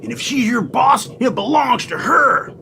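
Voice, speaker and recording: High-pitched, shouty surfer-dude raider. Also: male voice, measured pace, vocal fry, slight background noise, exaggerated voice. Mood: defiant. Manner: theatrical, mixes surfer slang with mock-archaic phrasing. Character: loud, flamboyant male wasteland raider with dim surfer-dude bravado. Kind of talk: post-apocalyptic comedy audio drama.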